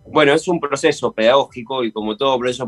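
Over music in the background, the voice moves at a fairly quick pace with ordinary pitch variation. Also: man. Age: 30s. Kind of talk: interview.

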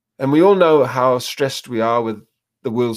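A medium-pitched man with a British accent and lively intonation. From Britain. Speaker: dog trainer and author. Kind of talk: casual interview chat. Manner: animated.

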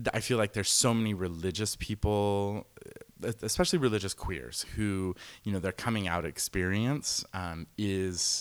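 Recorded very cleanly against a silent background, a man with a fairly low pitch and an unremarkable speaking voice talks at a moderate pace with ordinary pitch variation. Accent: American. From Southern California. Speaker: naked social group organizer. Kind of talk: interview conversation.

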